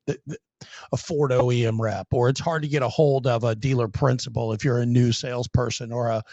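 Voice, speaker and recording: A man in his thirties hosts a podcast in a small home studio, upbeat and chatty, tossing in casual words like "man." His voice is close on a boom mic, and it comes through dull and muffled. The room adds nothing, so the sound is very dry. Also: no room sound. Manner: upbeat, chatty, calls the guest man and bro. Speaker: podcast host. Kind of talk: casual interview chat. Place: small home studio with brick wall and colored lights. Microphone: boom mic close up, wearing headphones.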